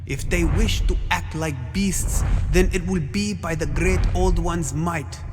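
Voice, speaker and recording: A man's voice: fairly high pitch, measured pace, pitched above the performer's own voice, natural voice. A man playing a zealous, self-righteous godlike villain, declaiming pompously and wrathfully in a dramatic audio story. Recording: long cavernous reverb over music.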